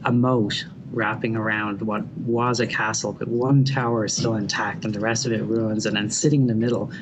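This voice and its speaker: In a casual interview recorded over loud background noise, a middle-aged Irish architect with a Dublin accent speaks at a moderate pace in a fairly low, level voice. His talk is reflective and rambling, full of fillers and restarts.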